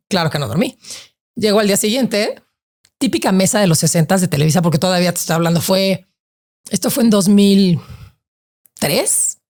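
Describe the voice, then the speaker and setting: A woman in her forties with a Mexican accent, a podcast guest telling a heartfelt story in lively, slangy talk full of fillers. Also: medium pitch. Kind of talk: emotional storytelling.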